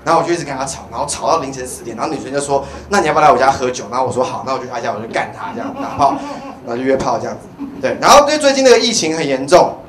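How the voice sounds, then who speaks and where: A man's voice: mid-range voice, very animated, rapid-fire. A young man with a Taiwanese accent doing open-mic stand-up in a rambling, stammering way that repeats phrases. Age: young adult. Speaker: stand-up comedian. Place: small indoor comedy club stage. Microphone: handheld microphone. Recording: roomy live venue, background noise.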